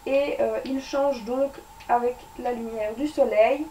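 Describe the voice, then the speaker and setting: A woman's voice: on the high side, steady tone, measured pace, dark tone, far from the mic, a little hiss or hum, low-quality recording. A young woman chatting casually as a beauty vlogger, reviewing her monthly favorites with lots of fillers and restarts, recorded indoors at home.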